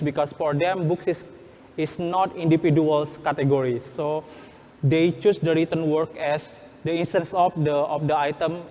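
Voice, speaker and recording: A man with an Indonesian accent speaks in a fairly high voice, his words ringing in a reverberant hall. He teaches step by step as a workshop presenter, in halting English that circles back and rephrases. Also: dark tone. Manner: halting, repeats and rephrases in non-native English.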